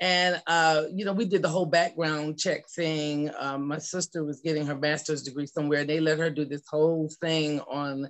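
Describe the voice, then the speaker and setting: Against a quiet background, a woman with a very deep, low voice talks at a moderate pace in a flat monotone, hardly pausing at all. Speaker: interviewee. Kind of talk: interview answer. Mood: cheerful, amused. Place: home room. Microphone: video call.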